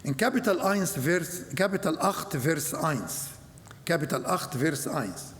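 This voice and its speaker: A man whose first language is Arabic, preaching a sermon in slow, halting German with non-native grammar. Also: a little high, lively intonation, fairly bright tone. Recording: long hall reverb.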